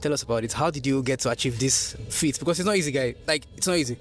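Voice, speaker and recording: A man's voice: medium pitch, fast. A man hosting a video, interviewing a guest with upbeat, friendly questions and turning to viewers as "guys". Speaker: interviewer and vlog host. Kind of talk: scripted narration and casual interview.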